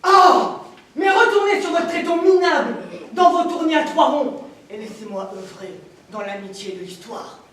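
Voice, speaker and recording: An actress playing a self-important poet-playwright, declaiming pompously and emphatically in a stage comedy. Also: female voice, sits high, unhurried, pauses often. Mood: scornful, grand. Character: grandiose, self-important poet-playwright preaching theater's glory. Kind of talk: live stage comedy acting. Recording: distant, very echoey theater recording, faint noise.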